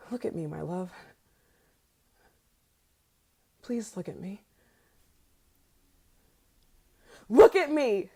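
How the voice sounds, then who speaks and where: A woman's voice: on the high side, a little mellow. A woman playing an obsessive, possessive, murderous yandere lover in an intimate ASMR roleplay monologue, moving between whispers and frantic outbursts. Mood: desperate, angry.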